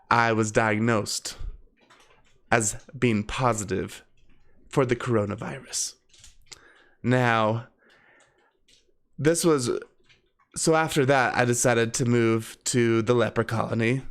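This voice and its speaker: Slow-paced, slightly congested male streamer. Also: mid-range voice. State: sick with a cold. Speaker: live game streamer. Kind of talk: casual chat to stream viewers.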